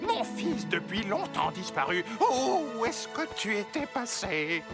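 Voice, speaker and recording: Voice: mid-range voice, very animated, takes it slowly, over loud music. A performer in a French cartoon dub voicing a male pigeon supervillain, pompous, melodramatic and fatherly, in a theatrical, grandiose manner. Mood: doting, fatherly.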